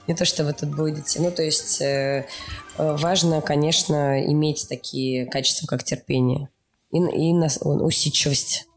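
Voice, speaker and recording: Woman w slightly low voice, interview guest explaining stuff casually and emphatically, music behind. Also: fairly even intonation, normal speed. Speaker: animation studio production executive, interview guest. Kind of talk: explanatory interview talk with acted-out examples.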